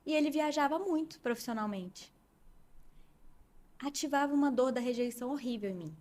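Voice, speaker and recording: A woman's voice: high voice, normal speed, a little mellow. A Brazilian woman, a guest on a casual podcast, talking in a reflective, storytelling way.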